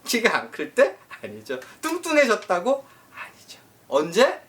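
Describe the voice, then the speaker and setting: A man's voice: sits high, unhurried. A man pastor telling a Bible story in a sermon for elderly listeners, asking them questions as he goes. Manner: lively, asks the listeners questions. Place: nursing home service.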